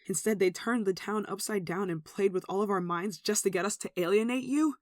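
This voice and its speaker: A performer playing a devout, tender human devoted to a demon in an ASMR roleplay, speaking softly and earnestly with emotion. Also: mid-range voice, a little fast, dry recording, studio quality, natural voice. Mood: relieved, concerned. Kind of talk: ASMR roleplay, one-sided dramatic dialogue.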